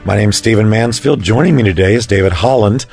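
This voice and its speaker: A man hosting a Christian radio program, his voice a bit raspy, chatting casually with some stumbles. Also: fairly low pitch, brisk. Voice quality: raspy today. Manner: warm conversational chat, some stumbles. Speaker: radio show host.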